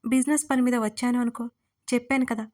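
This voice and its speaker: Woman reading a playful young husband, teasing tone, kinda flat. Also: fairly high pitch, fast, close to an everyday voice. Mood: reassuring.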